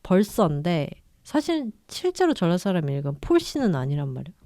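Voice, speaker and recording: A woman's voice: on the low side, big pitch swings, a little fast, dark tone, no room sound, clean studio sound. A woman co-hosting a book podcast, explaining her thoughts carefully. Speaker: podcast co-host. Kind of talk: casual book discussion.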